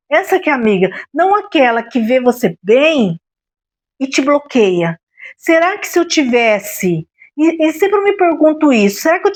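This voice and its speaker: High-voiced Brazilian woman confiding. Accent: Brazilian Portuguese. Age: middle-aged. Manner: confiding, repeatedly checks in with the listener. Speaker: vlogger. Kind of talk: personal storytelling vlog.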